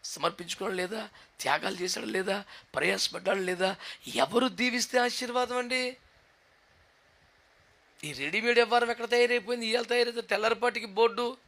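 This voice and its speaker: A man's voice: sits high, fairly quick, vocal fry, pauses often, a bit bright. A man preaching a sermon, building up with rhythmic repeated questions and a Telugu accent. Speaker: pastor.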